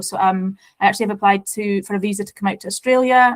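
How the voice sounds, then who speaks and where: With a Scottish accent, a woman talks very fast with fairly even intonation, in a dry, close sound with no echo. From Scotland. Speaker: physiotherapist. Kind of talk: casual self-introduction.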